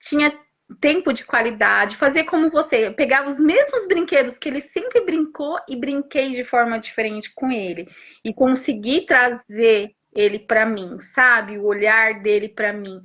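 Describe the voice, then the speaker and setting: Casting note: a woman, 30s, mother, bright-ish voice, tells her story in eager bursts over dull stream audio. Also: on the high side. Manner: animated storytelling with frequent restarts and rapid asides. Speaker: mother giving a testimonial. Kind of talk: emotional personal testimony on a live stream.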